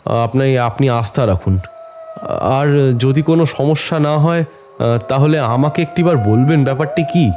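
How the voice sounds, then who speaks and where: A man's voice: mid-range voice, measured pace, long pauses, a little mellow, slight background noise, lightly acted. A man playing a tantric holy man, solemnly narrating his uncanny adventures in a dramatic first-person horror story. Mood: solemn, suspenseful. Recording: music bed under the voice. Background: dramatic music.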